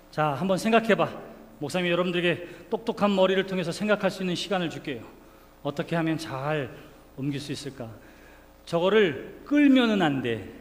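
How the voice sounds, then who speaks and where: A man leading a playful children's sermon as pastor, coaxing the kids and calling them by name. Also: fairly high pitch. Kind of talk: children's sermon with a live demonstration. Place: church sanctuary. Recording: reverberant hall, faint room noise.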